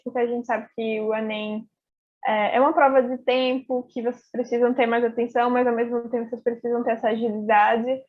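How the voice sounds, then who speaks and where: A young woman teaching an English class, speaking in a relaxed, encouraging way with lots of fillers. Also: a little high. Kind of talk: casual online class explanation. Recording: dull lo-fi audio.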